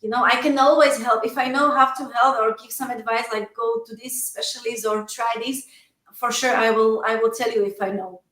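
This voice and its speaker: A woman's voice: a little high, fairly even intonation, moderate pace, a bit bright, roomy sound, rough recording. A woman guest with a Slovak accent, speaking earnestly in a casual interview and often adding "you know". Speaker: guest coach.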